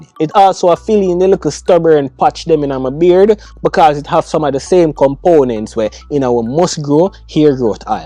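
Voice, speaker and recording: Speaking in a Jamaican accent with very wide pitch swings and a moderate pace, the voice has a dry, close sound with no echo and music in the background. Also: man. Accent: Jamaican Patois. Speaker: storyteller. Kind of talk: sponsored product read.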